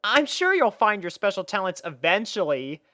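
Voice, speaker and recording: A woman voicing a kindly but fretful young adult mare pony, expressive and reassuring, in a story reading. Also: medium pitch, normal speed, no room sound, studio quality, voice pushed up.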